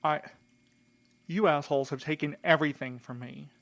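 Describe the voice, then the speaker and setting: A man's voice: a little high, steady tone, moderate pace, creaky, fairly bright tone. An actor playing a hot-tempered, heartbroken man in an audio drama, blunt and exasperated in his delivery. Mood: threatening. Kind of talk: scripted audio drama acting.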